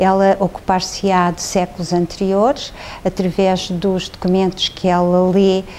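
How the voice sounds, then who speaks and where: A woman speaks very slowly in a flat, monotone way. Background noise is noticeable throughout. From central Portugal (Ourém). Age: 60s. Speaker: anthropologist. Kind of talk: interview. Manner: hesitant, many fillers.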